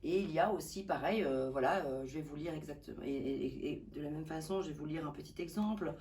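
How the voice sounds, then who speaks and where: Woman chatting about her tarot decks, lots of ums, excited, mic kinda far off. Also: deep voice, fast talker. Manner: enthusiastic, hesitant with many fillers; calm reading of card messages. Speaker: tarot reader and channel host. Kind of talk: casual vlog presenting tarot decks. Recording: voice from a distance.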